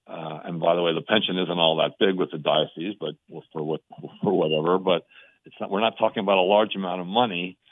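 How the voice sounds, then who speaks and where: The speaker has an American accent and talks at a very fast pace. Intonation stays fairly even while loudness swings widely. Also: man, very deep, low pitch for a man. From eastern Pennsylvania. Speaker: caller. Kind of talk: radio call-in question. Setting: phone call.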